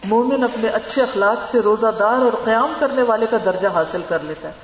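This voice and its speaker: A woman giving an earnest religious lecture, advising her listeners and mixing in English words. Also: fairly high pitch. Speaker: religious teacher. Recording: echoey hall, dull lo-fi sound.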